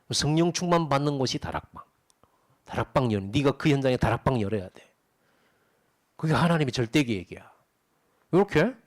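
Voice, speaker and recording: A middle-aged male pastor giving a sermon in a conversational, animated way, often asking the congregation rhetorical questions. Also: fairly high pitch.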